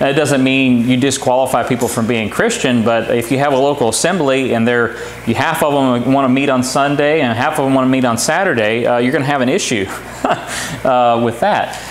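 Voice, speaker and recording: A man talks at a fairly quick pace with fairly even intonation. His loudness stays very even over light background noise. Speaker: lay preacher. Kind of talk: sermon. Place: home room.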